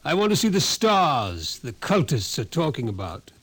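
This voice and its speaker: Scrawny professor prophesying doom, wry, theatrical, medium pitch, old radio drama recording. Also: male voice, big pitch swings, moderate pace, fairly bright tone, husky. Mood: wry, matter-of-fact. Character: scrawny male psychology professor, wry, ominous doomsayer. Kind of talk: 1950s radio drama acting. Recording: vintage 1950s radio recording.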